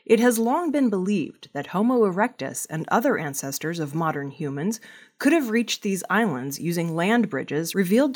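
A woman reading a scripted archaeology news bulletin with a measured, even delivery. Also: lowish voice. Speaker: news reader.

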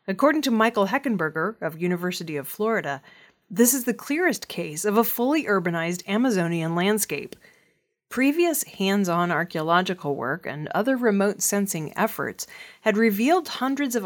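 A woman reading scripted weekly news items in a measured, even delivery. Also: on the low side. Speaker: news reader.

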